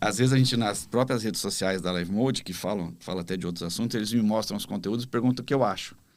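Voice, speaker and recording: In a Brazilian accent, a man speaks at a fairly low pitch and a fairly quick pace, with ordinary pitch variation. The recording is very clean, with a silent background. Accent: fully Brazilian Portuguese. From Azores, Portugal (Ponta Delgada), then Brazil. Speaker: media executive. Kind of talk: podcast interview.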